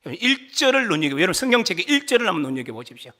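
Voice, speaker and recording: A man preaching a sermon as pastor, animated, asking the congregation questions and leading them in reading, at times rising to shouts for emphasis. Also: high-pitched, racing. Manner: asks the congregation questions and leads group reading.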